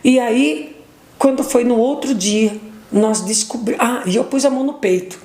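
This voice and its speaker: A middle-aged woman giving an emotional testimony as a mother, retelling dialogue, repeating words, her voice leaping high at intense moments. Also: normal speed, warm tone, echoey room.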